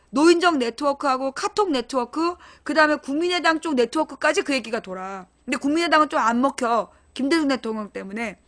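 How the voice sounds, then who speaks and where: A woman's voice: high voice, fairly bright tone. A woman hosting a live-stream political commentary show, speaking bluntly and informally and putting questions straight to her chat viewers. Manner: talks directly to chat viewers, asks them questions; blunt and emphatic, informal speech.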